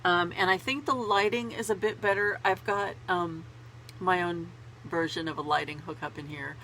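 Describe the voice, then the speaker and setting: Congested woman with a gravelly voice. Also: fairly low pitch, fairly even intonation, moderate pace, bright, forceful tone, slight background noise, low-quality recording. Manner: rambling and chatty, laughs at herself. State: congested with a cold. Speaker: knitting vlogger. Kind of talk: casual chat to camera. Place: small home closet.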